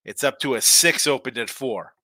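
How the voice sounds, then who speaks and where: A man's voice: mid-range voice, moderate pace, pushed and bright, slight background noise, low-quality recording. Congested, stuffy-nosed male betting host. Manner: chatty and loose, with frequent restarts and asides. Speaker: sports betting show host. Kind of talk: casual live-stream chat reading viewer comments.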